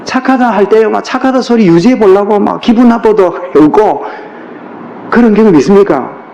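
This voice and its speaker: A man's voice: high voice, moderate pace, gravelly, dark tone. A middle-aged man with a Gyeongsang Korean accent preaching a sermon as pastor, speaking colloquially and firing rhetorical questions at his congregation. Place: church sanctuary. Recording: roomy, dull lo-fi church recording.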